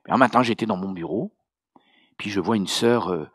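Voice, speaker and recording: A man's voice: fairly low pitch, normal speed, slightly rough, no echo. Male pastor, sermon testimony, hesitant, fillers, close dry mic. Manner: hesitant, many fillers and restarts, animated storytelling.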